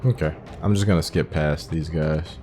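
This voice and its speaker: A man's voice: very deep voice, steady tone, normal speed, warm tone, faint music behind. A man giving casual let's-play commentary on a video game, musing aloud as he talks through each step. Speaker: gaming streamer playing through a video game.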